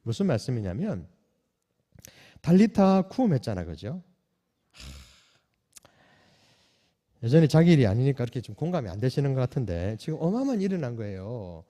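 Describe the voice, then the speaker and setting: A man preaching a sermon as pastor, asking the congregation questions and swinging between loud calls and soft, hushed lines. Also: mid-range voice, sing-song, moderate pace, long pauses. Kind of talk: sermon at a night prayer meeting. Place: church sanctuary. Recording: long church hall reverb.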